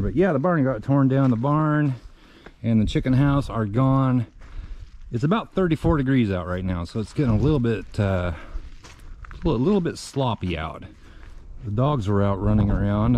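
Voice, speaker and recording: A man's voice: on the low side, warm tone, a little hiss or hum. A middle-aged man, giving a rambling, plain-spoken update while walking around his farmyard with an action camera. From central Iowa. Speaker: vlogger, farm shop owner. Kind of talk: casual walk-around update. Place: outdoors on a farmyard in winter, also inside a shop.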